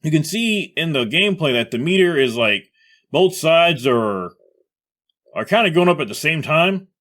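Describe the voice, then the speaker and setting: A man with the hiccups gives casual gaming commentary, reading aloud and reacting as he thinks out loud. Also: fairly high pitch, sing-song, moderate pace.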